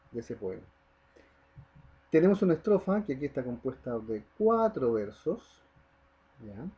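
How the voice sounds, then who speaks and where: In a recorded online lesson, a man teaches a primary school class step by step, stressing the example words and checking in with the children often. His medium-pitched voice has a breathy edge, and the sound is lo-fi.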